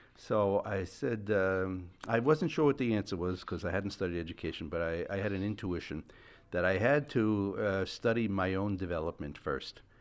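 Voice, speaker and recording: With a normal speaking voice, a man talks at a moderate pace, fairly low in pitch with ordinary pitch variation, in a very clean recording with a silent background. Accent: American. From Bronx, New York. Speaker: educator and author. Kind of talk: casual interview, storytelling. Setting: recorded at his home, birds in background.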